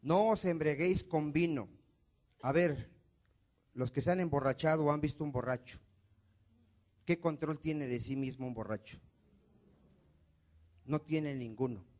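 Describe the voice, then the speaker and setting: A man's voice: on the high side, unhurried, pauses often, darkish tone. A male pastor preaching a sermon, asking the congregation questions and answering them himself.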